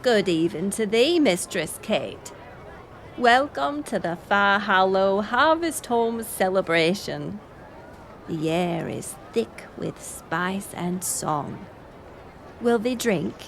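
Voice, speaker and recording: A woman's voice: mid-range voice, expressive, slow, slight background noise. Woman playing a lilting, welcoming village goodwife. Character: welcoming village goodwife greeting guests at a harvest festival. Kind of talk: archaic-speech audio roleplay acting.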